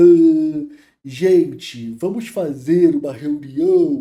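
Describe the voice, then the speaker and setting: Mumbling in a put-on character voice, a man speaks very slowly. His pitch is high. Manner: speaking inward, mumbling.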